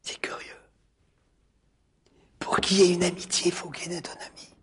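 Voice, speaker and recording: A man with a very husky, breathy voice delivers a philosophy lecture in deliberate, stretched-out phrases. He keeps returning to key words for emphasis and sometimes sinks into a hushed near-whisper. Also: high voice, little pitch movement. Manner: deliberate, drawn-out phrasing with sudden hushed drops.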